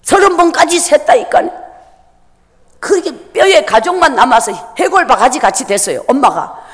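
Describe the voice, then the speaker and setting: Woman, high voice, emotional church testimony in a reverberant sanctuary. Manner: emotional, vivid storytelling in dialect. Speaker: testimony speaker at a church service. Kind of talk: personal testimony. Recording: long church-hall reverb.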